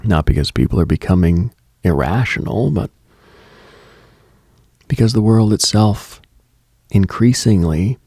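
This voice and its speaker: Guy doing late night radio, really slow n hushed, gravelly fry, brooding asmr-ish monologue. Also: on the low side, expressive, dry recording, studio quality. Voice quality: husky, gravelly. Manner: brooding, hushed, deliberate with long pauses.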